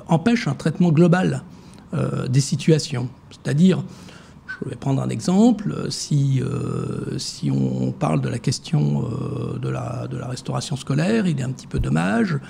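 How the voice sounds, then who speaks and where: A man's voice: medium pitch, big pitch swings, measured pace, vocal fry, dark tone, slight background noise. A man giving hesitant, filler-heavy answers in a TV interview as director of a social security fund. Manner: hesitant, many fillers and restarts.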